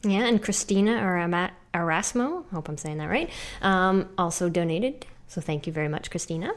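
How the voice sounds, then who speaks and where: A woman co-hosting a podcast in an easygoing, casual way, quick to laugh between remarks. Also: fairly low pitch, expressive. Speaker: podcast co-host.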